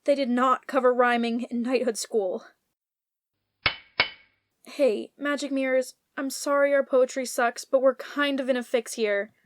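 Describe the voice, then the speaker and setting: A woman's voice: sits high, fairly even intonation, unhurried. A woman playing a resolute, optimistic lady knight who leads a quest with reassurance, in an audio drama. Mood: eager. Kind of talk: scripted audio fiction acting.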